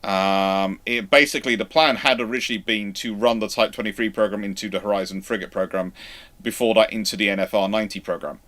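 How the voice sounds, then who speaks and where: Bright-voiced man, halting and stammering. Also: lowish voice, fairly even intonation. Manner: halting, stammering false starts and self-repetition. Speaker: host answering live viewer questions. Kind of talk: casual chat, live question and answer.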